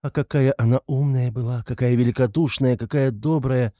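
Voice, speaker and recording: A man reading an audiobook, voicing a timid, pleading poor young woman who talks in soft, halting, flustered tones. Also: mid-range voice, dry recording, studio quality, close to an everyday voice. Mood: anguished pleading.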